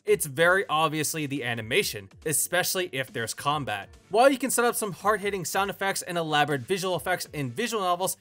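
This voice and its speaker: A man presenting a scripted video review as host, explaining things in a measured, articulate way. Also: sits high, bright, forceful tone. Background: background music.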